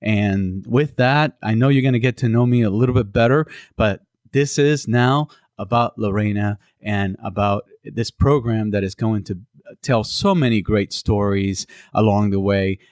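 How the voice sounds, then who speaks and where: Middle-aged man from Cuba, English, podcast host, halting with fillers, low voice, dry close sound. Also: darkish tone, dry recording. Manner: halting, many fillers and restarts. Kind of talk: casual interview podcast.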